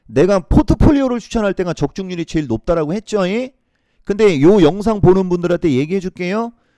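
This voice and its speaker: Loud and high-pitched, a man talks at a fairly quick pace in a dark, mellow tone with lively intonation, the sound dry and close with no echo. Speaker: stock market lecturer. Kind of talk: stock trading lecture.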